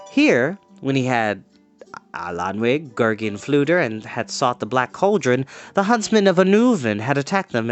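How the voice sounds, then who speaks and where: A storyteller reads aloud at a medium pitch. The narration is measured and expressive, in the manner of a storybook reading.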